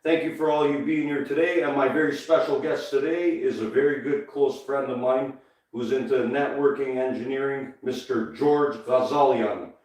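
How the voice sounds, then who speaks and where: A man's voice: mid-range voice, fairly even intonation, normal speed, darkish tone, recorded from a distance. A Canadian man hosting a casual live podcast, rambling as he plays the showman. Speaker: podcast host. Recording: very echoey room, off-mic.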